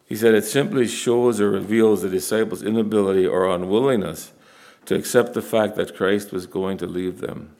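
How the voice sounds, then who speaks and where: Gravelly low-voiced male preacher. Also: fairly even intonation, moderate pace, darkish tone. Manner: conversational, rises for quoted scripture. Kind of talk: sermon.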